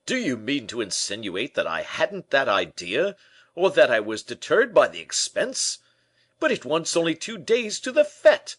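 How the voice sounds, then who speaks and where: A man voicing a vain, hot-tempered middle-aged nobleman in an audiobook, pompous and given to loud indignant outbursts. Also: medium pitch, wildly swooping pitch, normal speed, slightly rough, pitched above the performer's own voice. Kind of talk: audiobook character voice.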